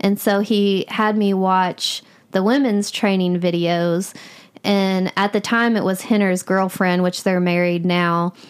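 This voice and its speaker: In a Southern US accent, a woman speaks at medium pitch with monotone, flat intonation. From Arkansas, Clarksville. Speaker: accountant and jiu-jitsu gym co-owner. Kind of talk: personal testimony in interview.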